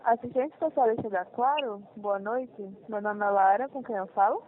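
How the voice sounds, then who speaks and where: Uma mulher atendente de suporte, educada e formal, ouvida por uma linha telefônica fixa. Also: female voice, a little high, moderate pace. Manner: polite, formal greeting. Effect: heard over a landline phone line. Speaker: customer service agent. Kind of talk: phone support call. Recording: tinny phone line with faint noise.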